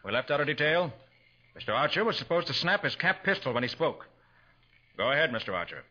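A man acting a confident master detective in a 1940s radio crime drama, brisk, deliberate and authoritative. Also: fairly high pitch, sing-song, pushed and bright, exaggerated voice. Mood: commanding, triumphant. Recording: dull vintage 1940s radio recording.

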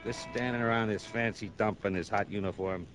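A man's voice: on the low side, steady tone, brisk, fairly bright tone, faint music behind, lightly acted. An actor playing a lazy, complaining apartment doorman in a 1960s radio drama, rambling on and cutting in. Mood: grumbling. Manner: complaining, rambling, keeps interrupting.

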